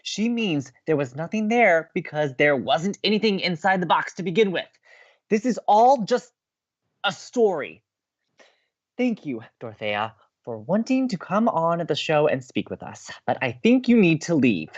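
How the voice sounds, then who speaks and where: An actress playing a skeptical, exasperated young college radio co-host in an audio drama, curt and scolding. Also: female voice, fairly low pitch, sing-song, a little slow, dull audio. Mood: dismissive, firm.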